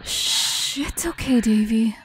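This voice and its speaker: A woman's voice: a little high, takes it slowly, in a whisper. A woman playing a young mother in an audio drama, tender with her son and fraying with her husband. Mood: soothing. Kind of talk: audio drama dub acting.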